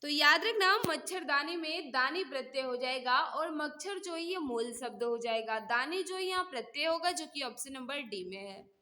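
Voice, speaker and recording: A woman hosts an exam-prep quiz lesson in a high-pitched, bright, forward voice. She reads each question out, often says it again, and prods listeners to answer before explaining the solution. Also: animated, moderate pace. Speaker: teacher hosting an online exam-prep class.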